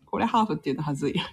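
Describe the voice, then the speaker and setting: Woman host, casual live-stream chat, husky and lively, laughs between comments. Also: mid-range voice. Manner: chatty, laughs often, reads comments aloud. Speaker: livestream host reading listener comments.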